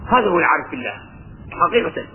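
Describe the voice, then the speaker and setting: A man with a Levantine Arabic accent gives a religious lesson in a fairly high voice. He moves between casual dialect and recited verses and keeps asking rhetorical questions. The sound is thin and tinny, like a phone line. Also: very fast. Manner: lively, mixes colloquial talk with recited verses, asks rhetorical questions. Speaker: religious teacher.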